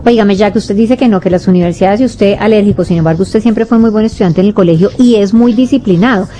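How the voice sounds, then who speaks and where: Colombian woman radio host, mellow mid voice, probing formal questions. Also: mid-range voice, fast, soft background music. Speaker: radio interviewer.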